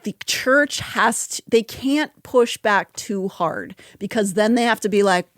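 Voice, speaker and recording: A woman's voice: mid-range voice, a little slow, a bit bright, no echo, studio quality. A woman hosting a podcast, talking in a wry, chatty way with asides and laughs. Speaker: podcast host. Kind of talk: casual conversational podcast.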